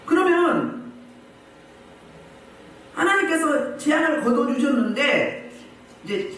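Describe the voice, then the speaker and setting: A male pastor preaching a sermon in an emphatic, lively way, firing off rhetorical questions to the congregation. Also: very high voice, takes it slowly, distant mic. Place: church meeting room. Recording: very echoey room, voice from afar, faint noise.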